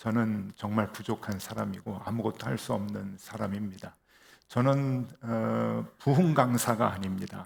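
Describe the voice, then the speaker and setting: With ordinary pitch variation, the man speaks in a fairly low pitch. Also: fairly slow pace. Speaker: guest preacher. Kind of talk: sermon. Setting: church evening service. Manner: calm, sleep-inducing delivery.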